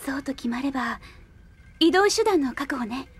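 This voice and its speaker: A decisive young woman leading her team in an anime radio play. Her voice is very high, and she comes across as caring and quick to take charge. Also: lively intonation. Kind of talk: anime audio drama acting.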